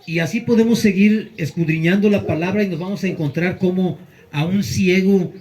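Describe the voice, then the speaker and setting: A male pastor preaching a Sunday sermon, earnest with emphatic pauses. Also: high voice, darkish tone, rough recording.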